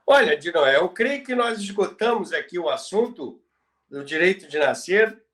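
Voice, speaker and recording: A man's voice: sits high, lively intonation, normal speed, a bit bright. A man with a Brazilian accent telling radio history in conversation, emphatic and repeating phrases for effect. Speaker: guest recounting radio history. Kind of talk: conversational storytelling.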